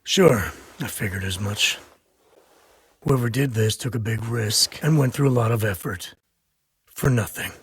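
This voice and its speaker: Menacing, taunting convict gang boss. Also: male voice, mid-range voice, husky. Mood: sneering menace. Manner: taunting, deliberate, threatening. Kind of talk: video game cutscene acting.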